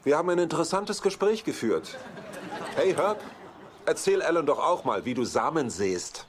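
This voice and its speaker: An actor playing a sly, mocking middle-aged bachelor in a dubbed sitcom. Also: male voice, on the high side, very animated, normal speed, a faint crowd. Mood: amused, teasing. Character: smug, teasing, worldly bachelor brother. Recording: noisy TV soundtrack with background ambience.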